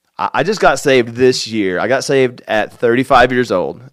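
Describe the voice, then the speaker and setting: On a very clean recording with a silent background, a man with a Southern US accent talks with ordinary pitch variation. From Tennessee, rural. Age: 30s. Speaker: powerlifter sharing faith testimony. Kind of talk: testimony. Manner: halting, repeats words.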